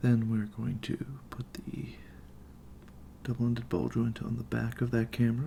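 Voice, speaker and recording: A soft-spoken man whispers at a moderate pace in a relaxed tone, somewhat breathy. He leaves long, frequent pauses. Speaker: ASMR creator. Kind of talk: ASMR LEGO build narration. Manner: soft-spoken, whispered, relaxed.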